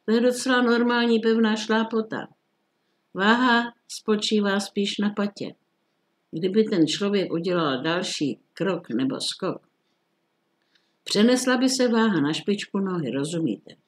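A man voicing a phlegmatic middle-aged police commissioner who talks in a dry, unhurried, grumbly way. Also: sits high, natural voice.

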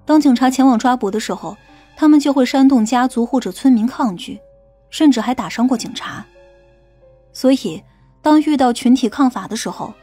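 A woman playing a stern, sharp-tongued female police captain in an audiobook, questioning a suspect in a cold, accusing manner. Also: sits high. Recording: faint music bed under the voice.

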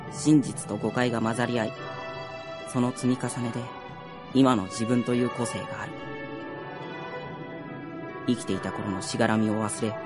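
An actor playing a gentle young fallen soldier in a radio drama, speaking politely and earnestly. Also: male voice, medium pitch, natural voice. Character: gentle, earnest dead young male soldier, now a spirit. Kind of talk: Japanese radio drama acting. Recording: music behind the voice.

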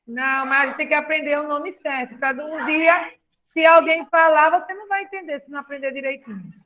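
A woman's voice: high voice, fairly quick, highs cut off. A woman teacher with a Brazilian Portuguese accent, patiently explaining a lesson and asking questions. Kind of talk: classroom lesson.

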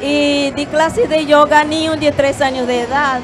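A Brazilian woman yoga teacher speaking Spanish in a gentle, measured way with small hesitations, on a handheld mic at a fair stand. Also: high voice, steady tone, over music. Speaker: yoga teacher and holistic therapist. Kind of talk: calm explanatory interview answers. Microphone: handheld microphone.

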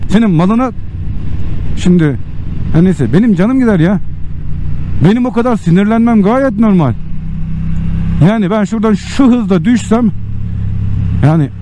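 High-pitched man ranting inside a helmet. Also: expressive, normal speed, long pauses. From Turkey. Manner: agitated, combative, blunt, swearing. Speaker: motovlogger. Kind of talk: casual vlog rant while riding. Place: outdoors, riding a motorcycle in traffic. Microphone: microphone inside a helmet. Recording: helmet mic with road and engine noise.

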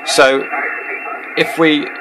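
A man's voice: fairly high pitch, level tone, drawn-out words, noisy background. A man hosting a casual, off-the-cuff gadget demonstration, rambling and hesitant, often repeating his words, recorded on a handheld camera at a desk indoors. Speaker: video host, amateur radio hobbyist. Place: small indoor room at a desk. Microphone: handheld camera or phone.

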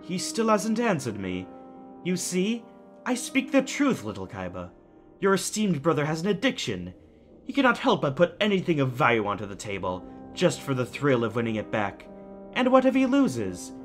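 A man's voice: on the high side, wildly swooping pitch, faint music behind. Man acting a smug, swooping, taunting villain. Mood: sly goading. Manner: mocking, drawn-out, deliberate phrasing. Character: taunting, calculating male kidnapper villain, smugly theatrical. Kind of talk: audio drama acting.

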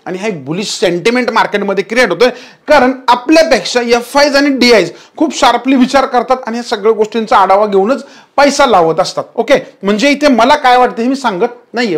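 An emphatic male market teacher in his thirties explains trends in front of a screen, and he keeps urging viewers to remember the key points. His voice is close on a lapel mic in a studio. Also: extremely high pitch. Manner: emphatic, repeats "remember", gestures while explaining. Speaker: stock market educator.

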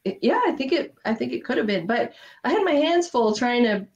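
A woman's voice: fairly high pitch, lively intonation, a little fast, a little mellow. A middle-aged woman, a guest on a podcast, telling her story in an upbeat, earnest way over a video call from her home office. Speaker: guest, former ski racer. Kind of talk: interview conversation. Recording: dull video-call audio.

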